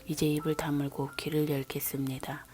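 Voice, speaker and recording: A woman's voice: low voice, flat delivery, moderate pace, darkish tone, natural voice. A woman reading a humbled man's answer to God in an unvoiced whisper, as a whispered scripture reading.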